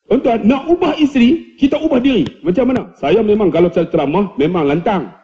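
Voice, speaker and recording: A middle-aged man with a Malaysian Malay accent, giving a humorous talk at a mosque forum and acting out the dialogue of his stories in a loud voice. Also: high-pitched, brisk, muffled recording. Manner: animated storytelling, acts out dialogue, loud delivery. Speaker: preacher.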